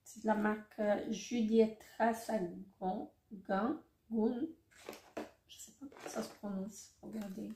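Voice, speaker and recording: A woman's voice: medium pitch, fairly even intonation, slow pace, dark tone. A middle-aged woman vlogger unboxing beauty products in a casual, hesitant way, with many fillers and self-corrections. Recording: roomy echo, faint noise.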